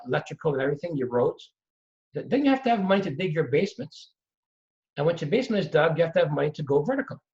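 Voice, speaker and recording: A middle-aged man from Trinidad and Tobago, a real estate investor telling his story in an emphatic, animated way during a conversation. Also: a little high. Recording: dull lo-fi audio.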